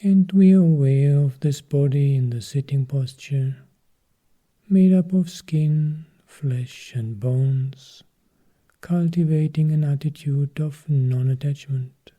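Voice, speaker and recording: A man, a Buddhist monk, guiding a meditation in a calm, measured way, with long pauses and a soft, often half-whispered voice. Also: fairly high pitch. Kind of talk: guided meditation instruction.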